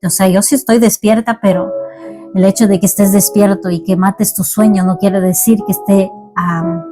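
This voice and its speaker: A woman's voice: mid-range voice, steady tone, moderate pace. A woman preaching a heartfelt sermon testimony, earnest and exhorting, repeating phrases for emphasis. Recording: music playing clearly behind her. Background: music.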